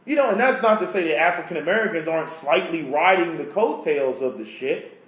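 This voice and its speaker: A man's voice: a little high, lively intonation, a little fast, fairly bright tone. Heated, profane man ranting in an echoey room. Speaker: vlogger. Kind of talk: opinion commentary rant. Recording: roomy echo.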